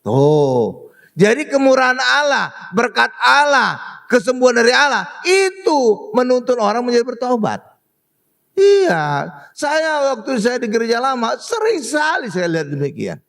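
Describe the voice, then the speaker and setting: A male pastor preaching a sermon in an animated way, exclaiming and often asking the congregation to agree. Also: very high voice, measured pace, vocal fry.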